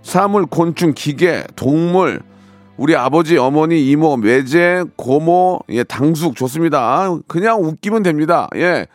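A man hosting a live radio call-in show, with brisk, teasing, upbeat patter. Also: on the high side, lively intonation, no room sound, faint music behind. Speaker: radio host. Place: radio studio.

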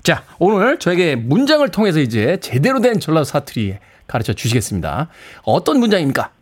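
A man's voice: a little high, brisk. Playful male radio DJ. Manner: lively, playful, laughs often. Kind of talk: radio show hosting. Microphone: studio microphone.

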